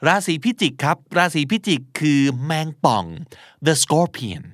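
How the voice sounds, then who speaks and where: A man's voice: on the high side, very animated, slow, dry recording, clean studio sound. A man with a Thai accent, hosting a pronunciation lesson and spelling English words out letter by letter.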